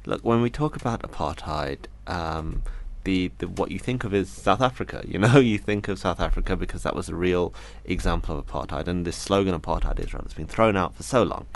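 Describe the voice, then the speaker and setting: Male interview guest, very low voice, earnest and reflective in his telling. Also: brisk, vocal fry, hardly any pauses. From Britain. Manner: earnest, thoughtful, retells conversations in detail. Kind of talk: reflective personal account.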